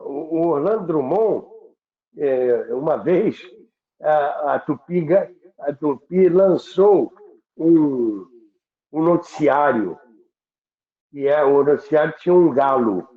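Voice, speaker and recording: An older man tells radio history conversationally, in a halting, reflective, deliberate way. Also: medium pitch. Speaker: radio history presenter, former radio worker. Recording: roomy, echoing phone-like narrow sound.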